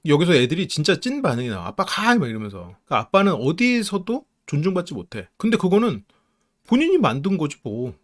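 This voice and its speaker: A man giving casual commentary on a reality show from a counseling view, acting out the family's quoted lines as he goes. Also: a little high. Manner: animated, acts out quoted lines of family members. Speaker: counseling psychology YouTuber. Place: home studio, live stream.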